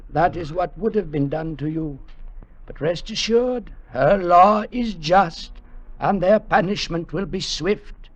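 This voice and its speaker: An actor playing a kindly, grave old tribal elder, speaking formally and solemnly in 1940s radio style. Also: male voice, sits high. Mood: grave, courteous. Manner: formal, measured, solemn speech. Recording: muffled vintage 1940s radio recording.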